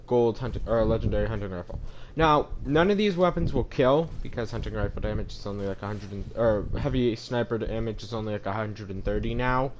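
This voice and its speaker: A young man speaking through a voice changer that deepens his voice, giving a rambling, casual voice-over of his game map and often stopping to correct himself. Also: slight background noise. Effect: voice changer lowering the pitch.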